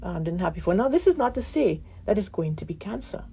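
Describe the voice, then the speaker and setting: A woman physician giving a radio interview, with a croaky voice from a damaged vocal cord nerve, explaining things calmly with many pauses. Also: medium pitch. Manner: calm, explanatory, pauses often.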